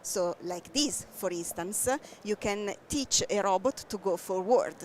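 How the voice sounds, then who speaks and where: Italian-accented woman explaining slowly. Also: mid-range voice, a little hiss or hum. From Italy. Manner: explains slowly with many fillers. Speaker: tech company guest. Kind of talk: trade show interview. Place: busy trade show floor. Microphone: headset.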